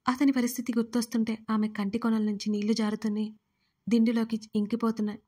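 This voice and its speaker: A woman reads a romance audio story in a mellow, warm voice pitched a little high. Her delivery is steady and fairly flat, keeping an even storytelling flow. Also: fast talker. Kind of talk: scripted audio-story narration.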